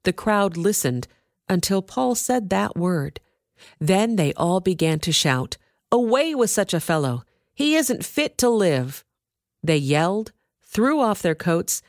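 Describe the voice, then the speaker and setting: A woman narrating a scripture reading in a measured, expressive way. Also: on the low side, dry recording, clean studio sound. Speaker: reader.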